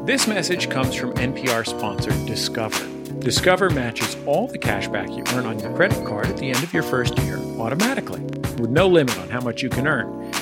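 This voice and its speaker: A man hosting a radio interview show, asking questions in a measured, dry way and reading announcements. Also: mid-range voice, very animated, over loud music. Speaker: radio host.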